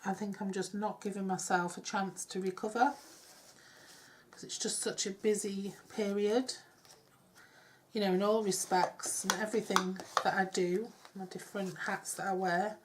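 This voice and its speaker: A middle-aged woman with a cold, chatting her way through a craft demonstration with soft, self-deprecating asides. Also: mid-range voice, flat delivery, moderate pace, noisy background. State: congested with a cold. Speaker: craft tutorial host. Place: home craft table. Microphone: overhead camera on hands, speaker off-screen.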